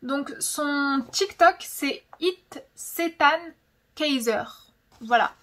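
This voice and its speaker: A woman's voice: sits high, animated, drawn-out words, fairly bright tone. A young woman chatting casually in a storytelling vlog, dramatic and emphatic, often repeating words for effect. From francophone, of Algerian descent. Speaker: YouTube host.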